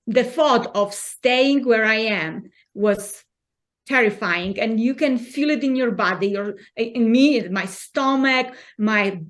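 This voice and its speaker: Polish-accented woman, earnest and encouraging. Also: fairly high pitch. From Poland. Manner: earnest, encouraging, halting non-native phrasing. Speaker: guest. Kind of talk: conversational interview.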